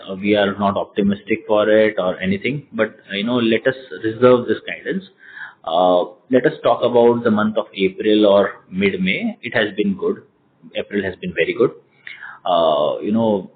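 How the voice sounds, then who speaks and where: Over a phone conference line, a company executive with an Indian accent fields investor questions during an earnings call Q&A. His voice sits on the low side, the audio is narrow and tinny, and he speaks hesitantly, often repeating words and phrases.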